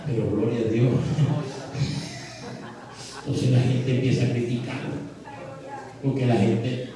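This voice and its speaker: A man preaching a sermon, telling the story with lively acted voices and calling out to the congregation. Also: mid-range voice, slow pace, a crowd in the background. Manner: animated storytelling, acts out voices, calls to congregation. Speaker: evangelist preacher. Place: church. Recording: echoey church hall, voice from far off.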